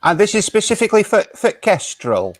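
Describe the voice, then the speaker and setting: Fumbling radio dj , a guy doing it, higher voice that bounces around a lot, dry sound. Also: sing-song, no room sound. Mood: flustered. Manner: flustered, hesitant, halting. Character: awkward radio DJ host of a small station. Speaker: improv performer.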